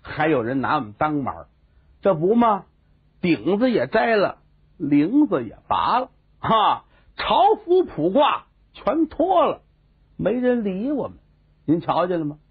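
A man's voice: high-pitched, wildly swooping pitch, a little slow, husky, full character voice. A man voicing a sly male minister who kneels and mutters a self-pitying complaint to himself. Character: sly middle-aged male minister kneeling in humble pretense. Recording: tinny phone-like sound.

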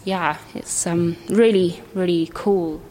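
A woman's voice: lowish voice, fairly even intonation, slow pace, dark tone. A young Welsh woman, a musician, chatting casually as she describes an exhibition while walking through it. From Wales. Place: exhibition room. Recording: echoey hall with faint background noise.

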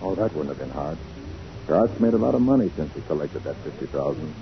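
A man's voice: a bass voice, big pitch swings, a little fast, faint music behind, full character voice. An American man playing a shrewd, self-assured private detective in a 1940s radio drama, explaining things with confident showmanship. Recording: muffled, noisy 1940s radio recording.

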